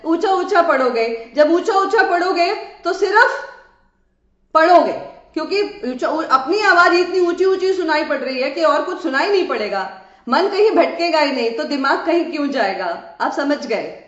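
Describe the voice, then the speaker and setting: A woman from India teaching law, animated and coaxing as she explains, often mixing English phrases into her talk. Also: sits high. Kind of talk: classroom lecture. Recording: echoey room, muffled sound.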